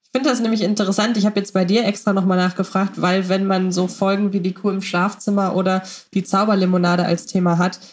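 A woman's voice: mid-range voice, flat delivery, brisk. A woman hosting a podcast, moderating a casual group conversation in a chatty, wordy way. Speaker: podcast host.

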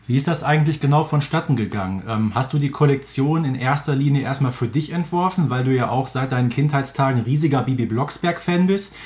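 A man's voice: medium pitch, brisk, few pauses, a little mellow. A man asking conversational questions as a podcast interviewer.

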